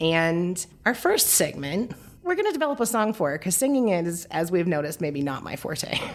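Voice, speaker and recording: A woman with a fairly low pitch and lively intonation at a moderate pace, over noticeable background noise. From Maine, Down East. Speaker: podcast host, chamber of commerce president. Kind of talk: podcast interview. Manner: conversational.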